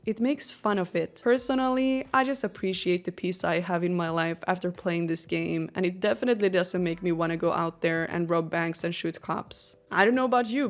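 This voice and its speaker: A young woman whose first language is Swedish, reading a scripted, upbeat game review as a voice-over. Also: on the low side. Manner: earnest, upbeat, read from a script. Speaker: gaming YouTuber.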